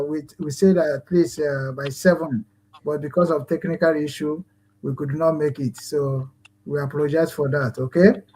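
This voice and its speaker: Igbo-accented Nigerian male host, high-pitched, rambling and earnest, lots of "uh" and restarts. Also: darkish tone, poor audio. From Nigeria, Igbo land. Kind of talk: online talk show hosting.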